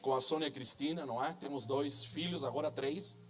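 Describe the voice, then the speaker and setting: A man's voice: medium pitch, fairly quick. Give me a chatty Chilean preacher, a man with a strong Chilean Spanish accent, joking at his own expense before a congregation. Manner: chatty, self-joking, tags lines with "não é?" and "amém?". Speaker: guest preacher. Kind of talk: sermon at a church conference. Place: church stage before a congregation.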